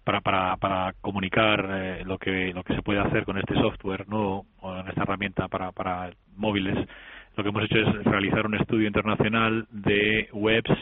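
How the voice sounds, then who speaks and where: A man's voice: on the low side, completely flat delivery, normal speed, no room sound. A man calling in by telephone as a guest on a radio show, speaking hesitantly with many fillers and restarts. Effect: heard over a telephone line. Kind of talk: casual phone interview. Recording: narrow tinny phone line, dry.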